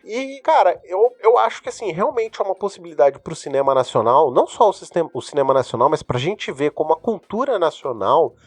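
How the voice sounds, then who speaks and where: A man co-hosts a podcast with animated, emphatic delivery and plenty of slang. His pitch is fairly high and swings widely. The recording is dry and close to the mic. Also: fairly quick, hardly any pauses, slightly rough, no echo, faint music behind. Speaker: podcast co-host. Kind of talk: casual podcast chat.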